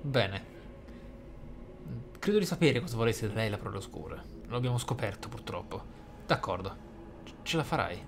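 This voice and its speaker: Man commentating over clear game noise. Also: lowish voice, sing-song, moderate pace, long pauses. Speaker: gaming video host. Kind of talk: roleplay gameplay commentary. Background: video game sounds.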